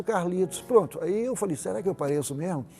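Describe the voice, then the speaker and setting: A man talks with lively intonation. Music can be heard in the background. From Pernambuco, Brazil. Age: 70s. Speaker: clown and filmmaker. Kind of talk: interview.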